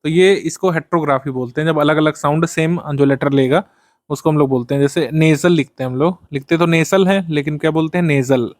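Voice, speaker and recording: A male teacher with a slightly high-pitched voice runs an exam-prep vocabulary class. He reads definitions slowly. He then explains them in Hindi, with frequent "uh" fillers. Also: fairly even intonation.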